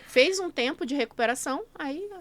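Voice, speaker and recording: A woman's voice: sits high, animated, fairly quick, fairly bright tone. A woman speaking as a podcast guest, explaining her method one step at a time in a casual interview. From Brazil. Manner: explanatory, walks through steps one by one. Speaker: guest, nutrition coach.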